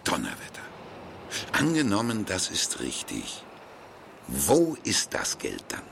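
Casting: sly older radio-play villain, low gravelly voice, calculating, swinging delivery over a noisy backdrop. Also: male voice, wildly swooping pitch, takes it slowly, a bit bright, heavily acted. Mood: feigned surprise. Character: sly older male villain hiding greed behind friendliness. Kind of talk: German radio play acting.

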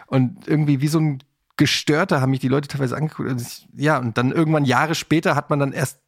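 A man chatting casually as a podcast co-host, thinking aloud with a halting delivery. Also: fairly high pitch, fairly even intonation, vocal fry, no echo, clean studio sound. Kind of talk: casual chat about childhood audio dramas.

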